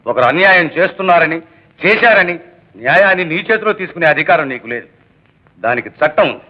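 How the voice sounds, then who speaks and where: An actor playing a stern judge who questions the accused in formal, measured speech. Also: male voice, fairly high pitch, animated, close to an everyday voice. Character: stern courtroom judge, middle-aged man. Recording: dull old film soundtrack.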